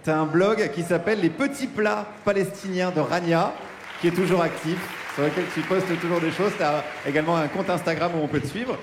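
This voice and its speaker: A man's voice: a little high, fairly quick. A man hosting a live radio interview on a festival stage, asking loose, chatty questions with restarts. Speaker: radio show host. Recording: echoey live stage with loud crowd noise. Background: crowd and ambience.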